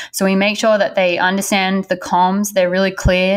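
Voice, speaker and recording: A woman with an Australian accent talks fairly quickly at a medium pitch over noticeable background noise. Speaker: software engineer. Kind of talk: interview.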